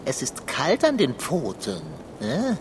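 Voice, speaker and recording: Casting: a woman as a theatrical, self-pitying black tomcat for a children's audio play, pitch swooping wildly, over a noisy hiss. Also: huge pitch swings, slow, exaggerated voice. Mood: whiny. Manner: dramatic, theatrical complaining.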